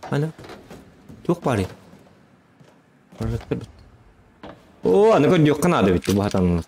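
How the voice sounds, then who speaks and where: A game streamer mutters casual live commentary to himself while he plays, his gravelly, warm voice sitting at medium pitch with a sing-song lilt and measured pace. Game sounds and engine noise run behind him.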